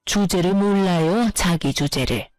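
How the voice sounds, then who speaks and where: A scornful older mother-in-law who belittles and berates, her voice dropped low and hard, as a woman narrator plays her. She sneers and barks insults in a story reading. The sound is dry and close with faint music beneath. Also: unhurried, a little mellow, no echo, natural voice. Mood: mocking. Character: harsh scolding older Korean mother-in-law.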